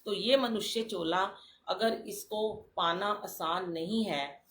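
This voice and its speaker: An older woman giving an earnest devotional talk, telling a dream story and addressing listeners warmly as a congregation. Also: medium pitch, takes it slowly, a little hiss or hum. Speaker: satsang speaker. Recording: roomy live stream with faint ambience.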